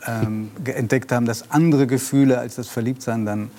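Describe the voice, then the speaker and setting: A man co-hosting a talk show who asks a couple questions, pausing to find his words. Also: medium pitch, steady tone, warm tone. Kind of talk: casual chat.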